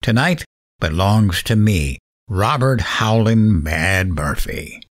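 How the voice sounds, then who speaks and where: An actor playing a cocky, vengeful late-night radio host, sardonic and goading, in dramatic narration and interview. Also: male voice, on the low side, expressive, slow. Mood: brooding, self-important.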